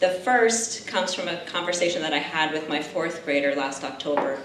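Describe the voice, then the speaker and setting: Amid noticeable background noise and audible room echo, a woman in an American accent speaks at a moderate pace, her fairly low voice showing ordinary pitch variation. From New Jersey. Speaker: school board candidate. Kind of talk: campaign speech.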